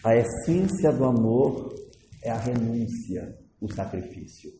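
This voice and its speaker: A man voicing God as a calm, patient old figure who speaks slowly and solemnly. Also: medium pitch, voice pushed down. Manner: slow, measured, solemn. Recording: echoey hall, faint noise.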